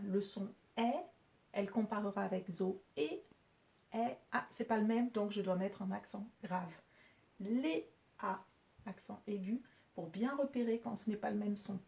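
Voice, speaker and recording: Woman, teacher, spelling lesson, patient, mellow dark tone, slow. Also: mid-range voice. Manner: slow, patient, clearly articulated explanations.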